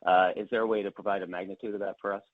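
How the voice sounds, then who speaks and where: A man's voice: sits low, flat delivery, rapid-fire, no echo. A man, a financial analyst, putting tentative, hedged questions to executives on a conference call. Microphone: phone. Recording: tinny narrow-band phone line.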